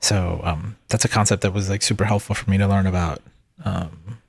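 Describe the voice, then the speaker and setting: Low-voiced man, halting and thoughtful. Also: fairly even intonation, creaky, breathy edge, no echo, clean studio sound. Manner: halting, many fillers and restarts, thoughtful. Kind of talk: casual chat about a show.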